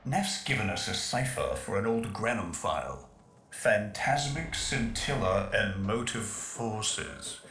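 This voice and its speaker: Game squad ally: gruff practical techie, low terse voice, echo and music behind. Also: male voice, expressive, takes it slowly, fairly bright tone, slight background noise, full character voice. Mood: wary. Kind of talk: scripted video game dialogue.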